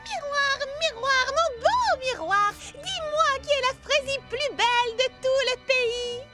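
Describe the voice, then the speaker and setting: Casting: a vain little wicked queen for a cartoon, extremely high, animated, grandly declamatory. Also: takes it slowly, over music, exaggerated voice. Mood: imperious. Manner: theatrical, declamatory. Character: vain, melodramatic young girl playing a wicked storybook queen. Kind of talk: French cartoon dub acting.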